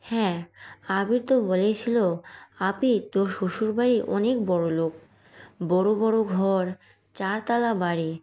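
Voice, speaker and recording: A woman's voice: medium pitch, a little slow, long pauses, darkish tone, natural voice. A woman voicing a feisty, mischievous young bride who is stubborn and cheeky, in an audio story reading. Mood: scheming. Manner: sulky and cheeky.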